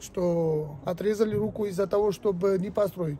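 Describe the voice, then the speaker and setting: Over light background noise, a man speaks at a high pitch with ordinary pitch variation. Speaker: pastor and guide; pastor, guide. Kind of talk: casual chat, travel guide explanation. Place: market. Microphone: phone near.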